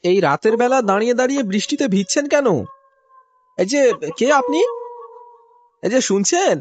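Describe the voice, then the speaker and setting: A man plays a frightened young man lost at night in a cartoon horror tale. He stammers and fires off anxious questions. His pitch moves in a lively way. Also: normal speed, dry recording. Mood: puzzled. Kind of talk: cartoon voice acting.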